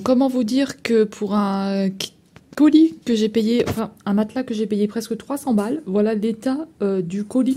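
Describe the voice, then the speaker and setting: Chatty woman with a mellow voice. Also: medium pitch. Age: 30s. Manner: chatty and rambling, full of fillers and slang. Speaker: vlogger. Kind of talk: casual home vlog. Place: home kitchen.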